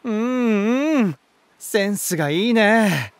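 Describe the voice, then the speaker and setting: An elegant male lighthouse spirit from a voice drama. He speaks in a slightly high register at a slow, savouring pace. His manner is genial and theatrical, that of a storyteller addressing a guest. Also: lively intonation, dry recording, full character voice. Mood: playful, inviting. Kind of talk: Japanese voice drama acting.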